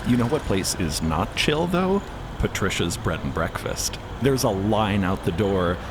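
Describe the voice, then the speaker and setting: A man's voice: fairly low pitch, big pitch swings, measured pace, background noise. A man narrating a scripted story theatrically, with playful, dramatic emphasis.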